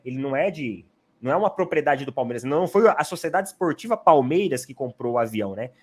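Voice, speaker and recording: A chatty man hosts a relaxed football talk, explaining his views at length. His voice sits a bit high for a man. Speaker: channel host, Palmeiras fan. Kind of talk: casual football chat.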